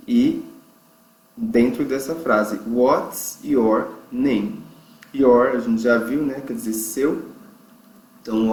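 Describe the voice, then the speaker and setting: A man's voice: medium pitch, a little mellow. Brazilian man teaching English, echoey room. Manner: slow, drawn-out pronunciation drills. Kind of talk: online language lesson.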